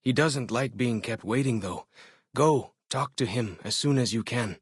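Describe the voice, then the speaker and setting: Earnest young tribal scout, crisp and dry. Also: male voice, medium pitch, measured pace, no room sound. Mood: informative, friendly. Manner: earnest, informal, simple phrasing with tribal words. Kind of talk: video game character dialogue.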